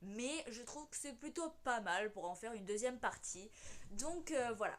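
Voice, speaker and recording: A woman with a fairly high pitch, lively intonation, and a fairly slow pace. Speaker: YouTuber, coin collector. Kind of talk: casual video presentation. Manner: stumbling over words.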